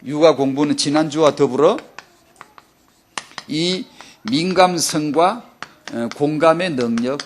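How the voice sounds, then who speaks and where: A man's voice: a little high, takes it slowly, pauses often, a little hiss or hum. A middle-aged man preaching a sermon to mothers, with emphatic, repetitive exhortation. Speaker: pastor.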